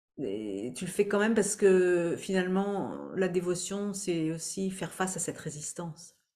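A woman's fairly slow speech with ordinary pitch variation over a quiet background. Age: 50s. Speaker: spiritual teacher and psychotherapist; spiritual teacher interviewed. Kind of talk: interview. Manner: halting. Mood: calm, reflective. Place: home room.

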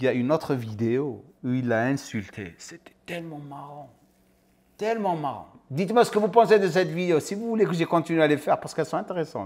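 A man speaks at a fairly quick pace in a fairly high, animated voice, his pitch swinging very widely and his loudness rising and falling sharply. The recording is very clean, with a silent background. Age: 50s. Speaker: fitness coach and YouTuber. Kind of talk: video commentary.

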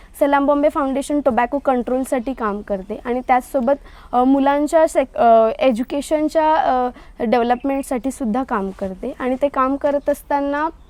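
A speaker with a Maharashtra accent uses ordinary pitch variation. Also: woman, high pitch for a woman. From Mumbai, India (Kurla). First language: Kaikadi (speaking Marathi). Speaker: photographer. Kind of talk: interview monologue.

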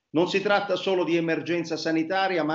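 Against a quiet background with audible room echo, a man talks with fairly even intonation. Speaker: interview host. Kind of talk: news program introduction. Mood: formal, concerned. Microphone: video call.

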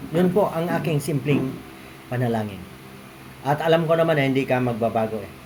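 This man speaks with lively intonation at a fairly quick pace. Long, frequent pauses break up his speech, and there is noticeable background noise. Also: medium pitch for a man. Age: 60s. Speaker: vlogger. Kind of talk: casual vlog monologue. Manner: halting.

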